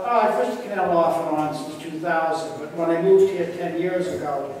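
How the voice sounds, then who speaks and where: A man speaks in a high pitch at a fairly quick pace. Strong room echo and light background noise surround him. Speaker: guest. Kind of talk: lecture. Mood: warm, enthusiastic. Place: hall. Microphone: camera far.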